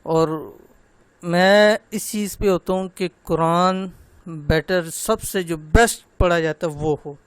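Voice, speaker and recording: A man teaching Quran recitation, slowly spelling out syllables and pointing out common mistakes. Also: high voice, clean tone, no room sound. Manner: slow, drawn-out demonstration of syllables, then gentle personal talk. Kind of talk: online tajweed lesson.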